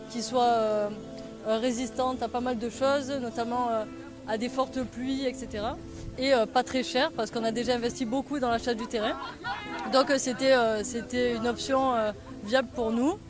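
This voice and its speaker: A woman's voice: a little high, steady tone, normal speed. A woman from France answering an interview, hesitant, with many fillers. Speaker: workshop participant. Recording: music playing over the voice.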